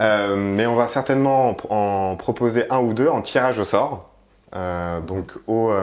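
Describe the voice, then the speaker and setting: Very slowly, a man talks at a fairly low pitch with ordinary variation. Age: 30s. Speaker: entrepreneur, company co-founder; guest. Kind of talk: interview. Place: home room.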